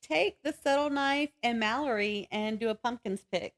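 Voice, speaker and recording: A middle-aged woman co-hosting a podcast in casual chat, encouraging and gently teasing. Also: a little high, moderate pace. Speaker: podcast co-host.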